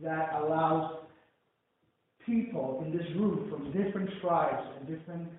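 A Nigerian-accented pastor prays and reads scripture to his congregation, raising his voice fervently for the words of God. His voice sits high for a man. It is heard from far off in a big echoing hall, through a thin, phone-like band. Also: a little slow. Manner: fervent, booming when reading God's words. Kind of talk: prayer and scripture reading in a sermon. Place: large church hall.

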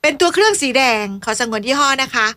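Bright high-voiced woman radio host. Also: big pitch swings, fast talker. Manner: polite, reads listener messages and questions aloud, a bit flustered. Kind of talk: live radio call-in talk.

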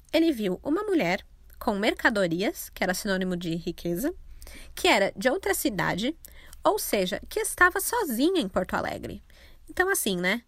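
Young woman, Brazilian accent, true crime storytelling, sarcastic, slangy, middle pitch, dry close recording. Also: a bit bright, no room sound. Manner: irreverent, sarcastic, swears freely.

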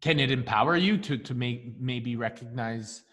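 A man's voice: mid-range voice, normal speed, fairly bright tone, big-room sound. A man with a Canadian accent coaching a client, asking encouraging questions and often restarting his sentences. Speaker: mindset coach. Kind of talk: coaching session conversation.

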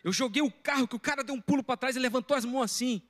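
A high-voiced pastor in his middle years delivers a sermon from the pulpit. He tells stories from his own life and speaks with animated energy. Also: rapid-fire. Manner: storytelling, breaks into loud shouting when retelling a confrontation.

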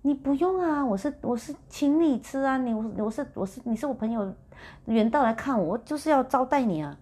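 An insistent, hospitable man who keeps coaxing a reluctant guest to eat, as a woman puts him on in a raised, eager voice. His pitch sits well above her usual low tone, and the sound stays mellow and breathy throughout. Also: expressive, fairly quick. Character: insistent hospitable male friend in a dream.

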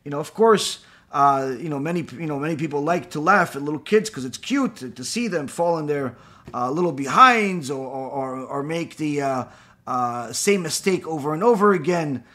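A Torah teacher gives a recorded lecture in a high, bright, slightly husky voice, animated and at a moderate pace. His pitch swings widely as he fires off rhetorical questions, and he often pauses on "you know" and "uh."

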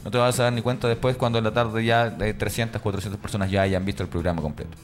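A man's voice: lowish voice, level tone, fast talker, faint music behind. A man hosting a casual comedy radio show, chatting in a joking, teasing, rambling way. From Mexico. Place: online radio studio.

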